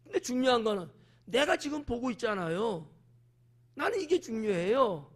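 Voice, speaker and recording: A man with a fairly high voice preaching a sermon at an evening service. He walks through a Bible passage line by line and keeps turning to his listeners with questions. He acts out the speakers in the text with animated, sarcastic quoted lines. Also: moderate pace. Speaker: pastor.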